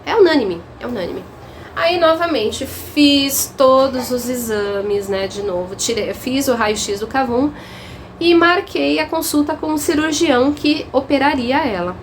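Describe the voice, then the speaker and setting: High-voiced, earnest young mother vlogging. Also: a little hiss or hum. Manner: earnest, emotional storytelling. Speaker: mother and channel host. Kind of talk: casual vlog talk to viewers.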